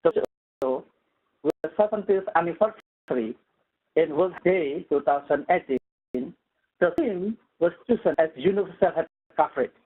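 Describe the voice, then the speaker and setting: A man with an Indonesian accent giving a formal academic lecture as a guest professor, speaking haltingly in non-native English. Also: fairly high pitch, expressive. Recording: tinny phone-like audio.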